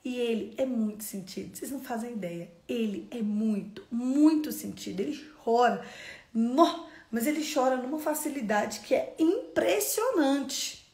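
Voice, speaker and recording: A woman's voice: a little high, lively intonation, a little slow, a little mellow. Questioning woman preacher, echoey room. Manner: asks the audience many questions; repeats key phrases for emphasis. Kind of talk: sermon with storytelling.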